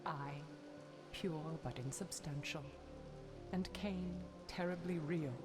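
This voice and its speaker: A sorrowful, embittered female spirit from a fantasy game. She speaks in formal, solemn phrases, very slowly and low for a woman. Clear music plays behind her. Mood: mournful. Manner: solemn, slow, mournful formal diction. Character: sorrowful female ghost, bound for a century, bitter, unyielding. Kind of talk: dramatic video game dialogue.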